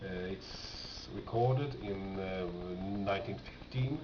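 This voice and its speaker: This deep-voiced man moves slowly through an informal show-and-tell of records he has collected. He's unscripted, hesitant and prone to rambling as he thinks aloud. The home audio is roomy and distant, with muffling and background noise.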